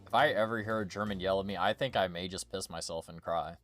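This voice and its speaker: Talking fast in a low-pitched, slightly bright voice, a young American man streams as a VTuber, rambling, joking and cursing a lot. Faint music plays in the background.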